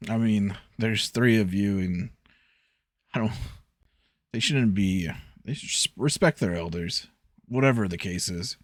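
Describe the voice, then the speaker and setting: A man's voice: fairly low pitch, unhurried, dry recording, studio quality. Eager male player asking questions. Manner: questioning and eager, stumbling over words. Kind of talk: casual tabletop role-play over voice chat.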